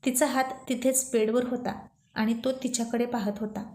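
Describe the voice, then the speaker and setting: A woman storyteller reading a serialized romance aloud with steady, expressive narration. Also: on the high side, normal speed.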